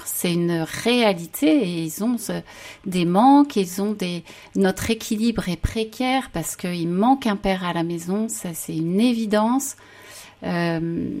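Mom on a panel talking faith, soft and reflective, trails off a lot, average pitch. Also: female voice. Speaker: panel guest, mother of children. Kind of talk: personal faith testimony in conversation.

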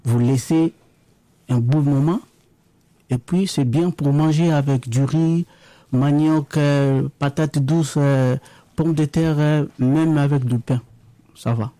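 A man from DR Congo whose first language is Lingala, a radio guest explaining a home recipe in a halting way with many restarts. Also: on the high side, fairly even intonation, warm tone, dry recording. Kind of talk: radio interview, casual explaining.

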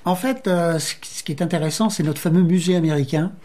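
A man's voice: a little high, a little fast, warm tone. Earnest man explaining at length. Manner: earnest, explanatory, many hesitations. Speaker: association treasurer, guest. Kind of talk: radio interview.

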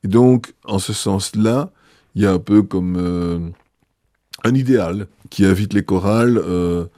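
Male bishop, interviewed; mellow, low tone, hesitant and measured delivery. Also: dry recording, clean studio sound. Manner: thoughtful, hesitant, frequent filler pauses. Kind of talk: interview answers.

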